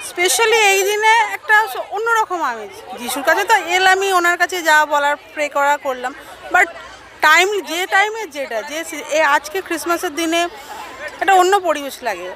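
A woman's voice: extremely high pitch, bright, forceful tone. A middle-aged woman with a Bengali accent, answering a street interviewer hesitantly and mixing in English words. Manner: hesitant, restarts, mixes in English. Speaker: interviewee, churchgoer. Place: crowded churchyard lawn outdoors. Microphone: reporter's handheld mic.

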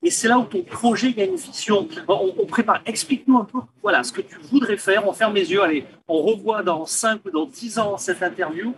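A man in his fifties hosting an interview, animated and gesturing, often restarting his sentences, in a small padded booth. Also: high-pitched, fairly quick, hardly any pauses. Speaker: host. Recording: distant mic, crowd noise behind.

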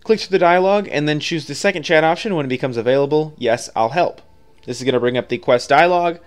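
A man's voice: a little high, fast talker, clean tone. A man narrating a step-by-step video game guide in an informal, offhand, conversational way.

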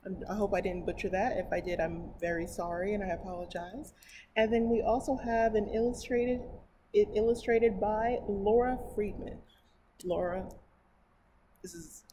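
A woman's voice: mid-range voice, normal speed. A middle-aged American woman reads a picture book aloud at a children's storytime, with enthusiastic, chatty asides. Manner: expressive, enthusiastic, exclaiming. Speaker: library storytime reader. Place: indoors in front of a painted mural. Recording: clear steady background noise.

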